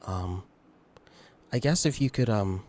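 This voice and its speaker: A man as a slow, halting, resigned lost soul. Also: fairly low pitch, animated, a little mellow. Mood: unsure, resigned. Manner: halting, subdued, unsure. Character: resigned, lonely man, newly dead climber.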